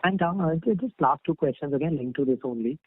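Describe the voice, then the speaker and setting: A man asking questions as an analyst on an earnings call, halting and often checking his understanding. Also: on the high side, lively intonation, no echo. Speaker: financial analyst caller. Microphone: phone call. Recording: dry, tinny phone line.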